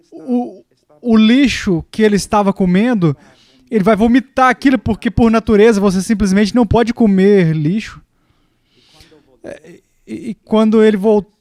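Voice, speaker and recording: A man voicing a dubbed sermon, emphatic and deliberate, pausing often and repeating key words. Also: high voice, a little mellow, dry recording. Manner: emphatic, with deliberate pauses and repetition. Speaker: preacher's voice in a dub.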